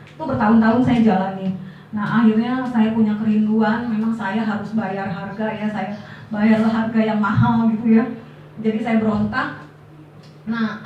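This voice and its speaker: A woman's voice: fairly high pitch, lo-fi sound, slight background noise. A middle-aged woman giving a personal testimony in church, chatty and storytelling with casual fillers, recorded from far off in an echoey hall.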